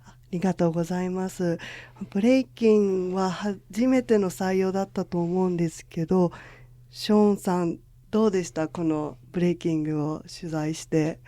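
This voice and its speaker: A woman's voice: on the low side, fairly even intonation, fast, dark tone, no room sound. A woman in her thirties, a journalist hosting a podcast with polite, scripted introductions.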